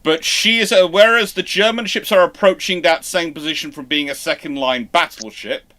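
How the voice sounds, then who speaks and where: A man's voice: a little high, normal speed, bright, forceful tone. A man hosting an informal live history question session, explaining things at length with false starts and self-corrections. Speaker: live show host and naval historian.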